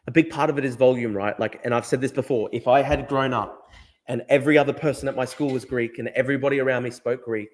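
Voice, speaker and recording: A man's voice: medium pitch, fairly even intonation, quick pace. A man hosting a political podcast, making his points emphatically and repeating himself, often asking "right?" and dropping in "like". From Australia. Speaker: podcast host. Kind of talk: opinionated political podcast talk.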